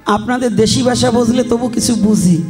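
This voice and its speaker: A man's voice: very high voice, normal speed, music in the background. A man with a Faridpur Bengali accent preaching a live devotional sermon, teasing the crowd with questions and breaking into chants. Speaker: Bhagavata preacher.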